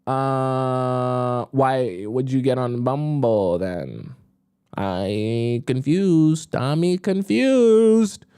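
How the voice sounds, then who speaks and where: Male live-stream host, casual and chatty, mellow tone, dry close sound. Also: mid-range voice, very slow, smooth, no room sound. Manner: chatty, reads messages aloud with asides. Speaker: dating advice host. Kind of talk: live stream reading viewer questions.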